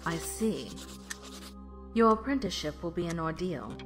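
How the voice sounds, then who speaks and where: A woman playing a stern, dignified mage mentor in an audio drama, formal, measured and authoritative. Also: lowish voice, animated, soft background music, natural voice.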